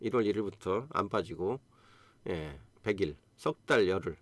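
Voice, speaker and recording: A man's voice: sits low, animated, moderate pace, no echo. A man in his fifties hosting a live stream, talking earnestly and encouragingly with many fillers. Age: 50s. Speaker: YouTube host. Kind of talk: casual live-stream talk.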